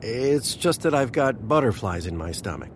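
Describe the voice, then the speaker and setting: An actor playing a nervous, deadpan presidential aide who tells his story with dry quips in a comic radio play. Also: medium pitch, moderate pace, a little hiss or hum, close to an everyday voice.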